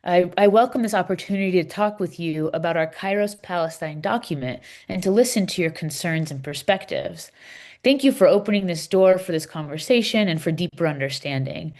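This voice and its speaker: A woman plays an earnest Palestinian Christian woman leading a readers theater discussion. The voice sits a little low for a woman. The delivery is measured, welcoming and explanatory. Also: a little mellow, close to an everyday voice. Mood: warm, earnest.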